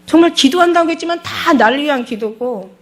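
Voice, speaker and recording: A woman's voice: high voice, lively intonation, fairly quick. A middle-aged woman pastor giving an emotional testimony sermon, fervent and repeating her words as she speaks.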